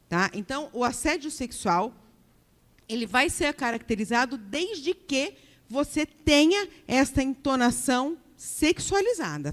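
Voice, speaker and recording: A Brazilian woman with a bright, high voice leads a training session on workplace harassment. She talks straight to her audience, checking in often and acting out the remarks she warns against. Her voice rings with a long reverb from a large lecture hall. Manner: keeps checking in with the audience, acts out example remarks.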